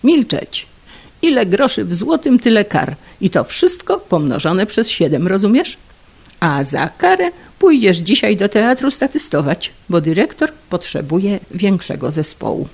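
A woman's voice: fairly low pitch, very animated, a little slow, gravelly, hardly any pauses, heavily acted. A woman voicing a domineering wife, a singer who barks orders and scolds her husband. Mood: scolding. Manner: commanding, scolding, barking orders. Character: domineering shrill opera-singer wife, bossy and quick to scold.

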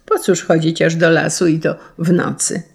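A woman voicing a kindly uncle who gently teases and explains things to children. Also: sits low, little pitch movement, normal speed, creaky, slightly rough, exaggerated voice. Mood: teasing. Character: kindly, amused uncle, a grown man.

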